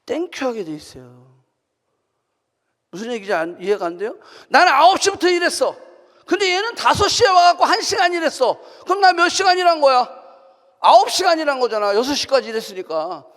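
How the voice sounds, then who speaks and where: A woman pastor preaching a sermon in a high, lively voice. She asks her listeners question after question and raises her voice for emphasis. Her voice carries a long reverb from the church hall. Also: a little fast. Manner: animated preaching with rhetorical questions and emphatic outbursts. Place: church sanctuary.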